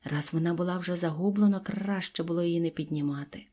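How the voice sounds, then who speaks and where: A woman voicing a sympathetic male Cossack warrior who speaks in a soft, sighing tone. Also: on the low side, fast talker, husky. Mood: regretful.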